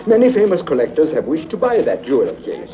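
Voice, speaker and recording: A haughty French antique dealer with a French accent. His fairly high voice swings widely as he bargains with indignation, heard through a muffled 1950s radio recording. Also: huge pitch swings, quick pace.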